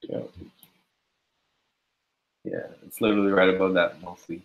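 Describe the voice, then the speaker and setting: Man, lowish voice, casual live-stream chart talk, sleepy, lots of um and so. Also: little pitch movement, measured pace, narrow, tinny audio. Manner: casual, filler-heavy, addresses viewers as guys. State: sleepy, yawning. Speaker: forex trading educator.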